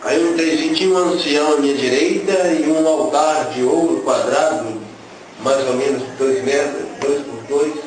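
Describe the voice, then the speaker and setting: His voice on the high side and his pace moderate, a man offers an emotional religious testimony in which he relates his story and acts out the conversations. It was recorded from afar in a noisy, echoey room.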